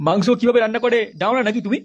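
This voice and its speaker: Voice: mid-range voice, very fast, highs cut off, soft background music, close to an everyday voice. A performer voicing a boastful, short-tempered poor husband in a comedy cartoon, foul-mouthed and insulting, with a West Bengal accent. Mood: boastful scolding. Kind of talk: amateur comedy cartoon dialogue.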